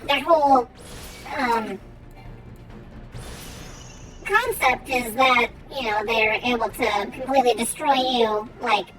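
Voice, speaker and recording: A woman giving casual gameplay commentary and chatting with viewers in a rambling, halting way, her R's softened toward W. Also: fairly high pitch, rough recording. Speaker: game streamer. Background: faint music.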